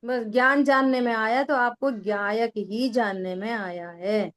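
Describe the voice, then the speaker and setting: A woman's voice: on the high side, fairly even intonation, a little slow. A middle-aged woman teaching a spiritual discussion, answering questions patiently with everyday examples and repeated phrasing.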